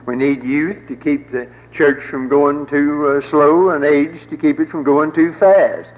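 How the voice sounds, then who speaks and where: A man's voice: on the high side, fairly even intonation, unhurried. An older man preaching a sermon with a folksy, wry humor and a rolling preacher's cadence. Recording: dull old broadcast in a reverberant hall.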